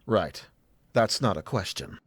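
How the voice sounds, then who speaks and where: An actor playing a firm, hard-nosed fighter in a visual novel, talking low and with urgency. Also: male voice, big pitch swings, unhurried, fairly bright tone, breathy edge, heavily acted. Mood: tense, urgent. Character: Bimley, firm, hard-nosed male fighter impatient to travel.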